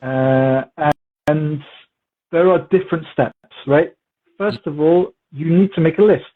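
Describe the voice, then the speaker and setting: An English teacher appears as an interview guest in a casual Q&A, his husky voice a little high and unhurried. He teaches in a relaxed way, repeating things for emphasis and mixing in Turkish words. The audio is muffled, like a phone call.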